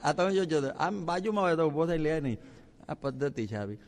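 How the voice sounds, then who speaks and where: A man's voice: fairly high pitch, a little fast. Man giving a storytelling sermon in a hall. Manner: animated storyteller who acts out the lines of people in his stories. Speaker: Hindu monk giving a religious discourse. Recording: long hall reverb with faint music.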